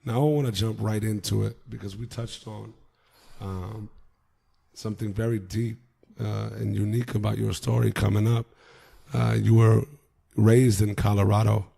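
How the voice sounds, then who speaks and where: A man's voice: fairly low pitch, flat delivery, moderate pace, gravelly, mellow, husky. A man hosting a casual podcast interview, earnest and swearing freely, with hype-man energy. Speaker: podcast host.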